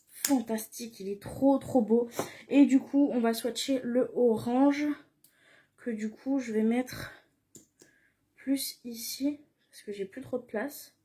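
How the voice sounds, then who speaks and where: A woman's voice: fairly high pitch, darkish tone. A young woman chatting casually in a beauty haul video, gushing with enthusiasm and repeating words for emphasis. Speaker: beauty vlogger.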